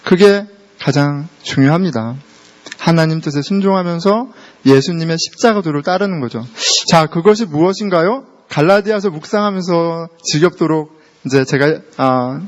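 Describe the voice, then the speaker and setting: Middle-aged pastor guy preaching, kinda high voice, big echoey church hall, tosses english words in. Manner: conversational preaching that mixes English words into Korean, acts out family dialogue. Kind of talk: sermon. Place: church sanctuary. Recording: long hall reverb.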